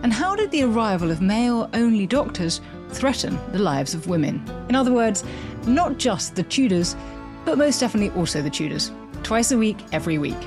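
A woman hosting a podcast, reading a promo with brisk, confident questions. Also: on the high side, big pitch swings, music in the background.

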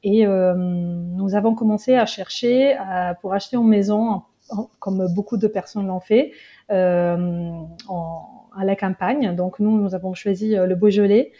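A woman with an Italian accent talks through her story in an interview, pausing often and restarting her sentences. Her voice is warm and mellow, and the recording sounds a little dull and lo-fi. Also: medium pitch, steady tone. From Italy, Genoa. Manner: hesitant, many fillers and restarts. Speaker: guest. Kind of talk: casual interview.

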